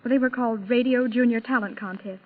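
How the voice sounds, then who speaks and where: An eighteen-year-old woman from Salt Lake City chats modestly with an interviewer, her voice sitting fairly high. The sound is thin and tinny, like an old radio broadcast heard over a phone line. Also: steady tone, fast talker. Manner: modest and chatty, with light laughs. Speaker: interview guest, contest champion.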